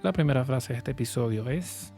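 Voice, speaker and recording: Man, patient pronunciation teacher, clear slow model words, soft background music. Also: medium pitch. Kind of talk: shadowing lesson, repeat-after-me drills.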